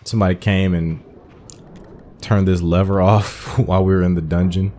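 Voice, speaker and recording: A man's voice: sits low, flat delivery, normal speed, warm tone, a little hiss or hum. A man giving casual, musing, conversational commentary as he plays a video game. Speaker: gaming YouTuber.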